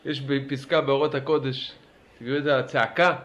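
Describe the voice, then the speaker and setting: A man teaching a religious class in a lively lecture style, urging his listeners on and asking them questions. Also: mid-range voice, muffled recording. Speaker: Torah teacher.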